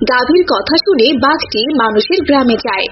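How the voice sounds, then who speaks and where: A woman's voice: high voice, animated, brisk, muffled recording, noisy background. A woman narrating a scripted cartoon folk tale as a storyteller.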